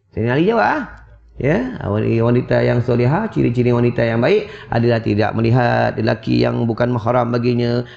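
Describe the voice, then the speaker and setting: A man with a Malaysian Malay accent preaching in a mosque prayer hall, animated and teasing, acting out little scenes with wives' voices. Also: mid-range voice, gravelly, highs cut off. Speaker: religious preacher. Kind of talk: lively sermon.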